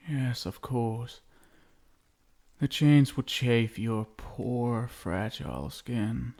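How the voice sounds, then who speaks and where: Guy doing a low voiced vampire husband for asmr roleplay, super slow, coaxing, possessive and doting. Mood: coaxing, condescending. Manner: soft coaxing endearments, lingering deliberate pauses.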